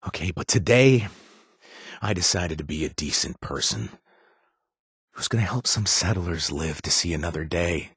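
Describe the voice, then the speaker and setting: Haunted ex-raider game companion: very deep, rough-edged voice, earnest, conversational delivery. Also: male voice, animated, fairly bright tone, no echo, studio quality, full character voice. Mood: intense, confessional. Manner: halting, confiding, casual speech. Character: earnest, haunted reformed male raider in a post-apocalyptic wasteland. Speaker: companion character in a video game. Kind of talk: conversational video game acting.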